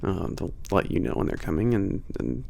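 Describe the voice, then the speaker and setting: A man playing a teasing werewolf trainer with a bit of an attitude in an ASMR roleplay, gravelly, casual and hesitant in his banter. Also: low voice, moderate pace, a little mellow. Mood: puzzled, concerned. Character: teasing, gruff-edged male werewolf trainer at a spaceport. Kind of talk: ASMR roleplay, naturalistic one-sided conversation.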